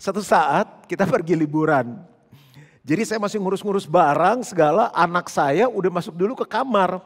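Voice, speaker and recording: A male pastor preaching a sermon in a lively, conversational way with playful asides. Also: sits high, normal speed. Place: church hall. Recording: long church hall reverb.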